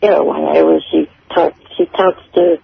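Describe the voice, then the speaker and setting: High, very creaky man calling in by phone. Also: steady tone, measured pace, dry recording. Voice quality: hard to understand. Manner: blunt, irritable, foul-mouthed. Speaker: phone-in caller. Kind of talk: casual argumentative radio call. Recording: muffled, poor telephone connection with noise.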